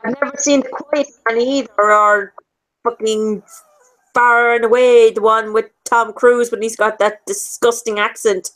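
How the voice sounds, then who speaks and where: A woman's voice: fairly high pitch, steady tone, unhurried, a bit bright, poor audio. A woman from Ireland, chatting bluntly and sarcastically on a casual group stream. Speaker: stream co-host. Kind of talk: casual chat.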